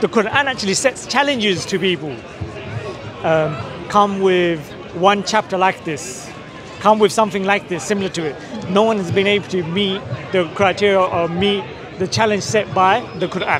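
Speech at a moderate pace with ordinary pitch variation and long, frequent pauses, over background music, with a dry sound with no echo. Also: man, high pitch for a man. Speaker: street preacher. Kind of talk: explaining religion in street conversation. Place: street. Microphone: lapel.

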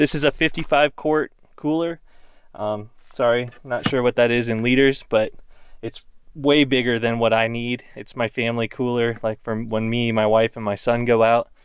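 Against a quiet background, a man talks at a moderate pace with fairly even intonation, the sound dry with no echo. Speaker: camping vlogger. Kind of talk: casual vlog chat. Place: open country. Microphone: phone near.

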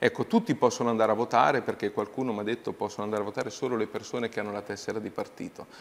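Hardly pausing at all, a man talks at a very fast pace with fairly even intonation. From central Italy, Fano (Marche); Marche, Italy. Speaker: mayoral candidate; candidate. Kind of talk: interview. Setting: studio. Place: studio. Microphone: lapel.

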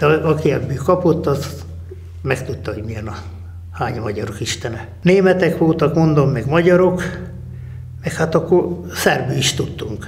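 Over light background noise, a man speaks at a fairly slow pace with very wide pitch swings and long, frequent pauses. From Vojvodina, Serbia (ethnic Hungarian). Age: 70s. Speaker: eyewitness of wartime atrocities; witness. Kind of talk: oral history testimony. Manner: halting, with frequent repetitions.

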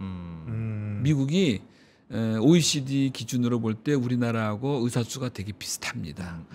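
A man talking at a very slow pace, music in the background. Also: medium pitch for a man, lively intonation. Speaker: medical school professor. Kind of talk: interview discussion. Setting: studio.

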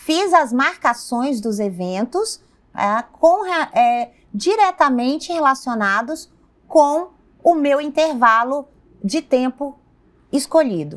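Speaking very slowly with long, frequent pauses, a woman uses a high pitch that swings very widely. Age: 40s. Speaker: teacher. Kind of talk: lecture. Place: studio. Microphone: lapel.

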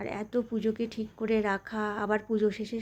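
A woman's fairly high-pitched voice on a very clean recording with a silent background. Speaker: family vlogger. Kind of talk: vlog narration. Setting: outdoors at a village puja.

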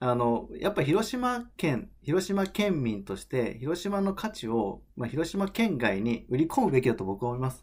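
Speaking at a fairly slow pace with hardly any pauses, a man with a fairly high pitch and a somewhat breathy voice makes very wide pitch swings. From Japan, Hiroshima. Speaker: podcast host. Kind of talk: casual chat.

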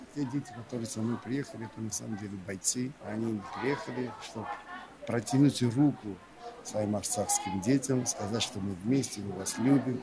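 At a moderate pace, the speaker keeps a fairly even intonation against noticeable background noise. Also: man, medium pitch for a man. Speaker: choir conductor and music professor. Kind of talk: interview soundbite.

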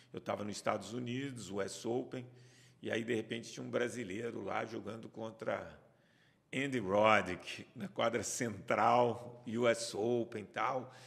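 Here a man speaks in a normal speaking voice at medium pitch. His pace is fairly slow and his intonation fairly even. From Brazil. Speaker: radio and video host on wellness; radio, video host on wellness. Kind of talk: interview. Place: studio. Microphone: studio mic.

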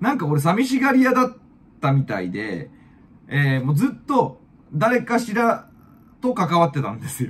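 A man with a high voice speaks at a moderate pace, his pitch swinging very widely, with long, frequent pauses. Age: 30s. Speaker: YouTuber; vlogger. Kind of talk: casual monologue. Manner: halting, many fillers. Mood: reflective, a bit sheepish. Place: home room. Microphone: phone near.

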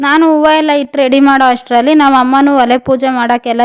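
Her pitch is high. This woman speaks with fairly even intonation. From rural Karnataka, near Doddaballapur. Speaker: vlogger. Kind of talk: vlog narration.

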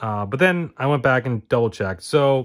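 The setting is quiet. A man speaks at a moderate pace. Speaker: card collector vlogger. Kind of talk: casual vlog chat.

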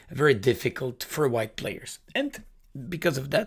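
This is a man's voice at a medium pitch. Vocal fry runs through it. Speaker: chess coach. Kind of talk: lecture.

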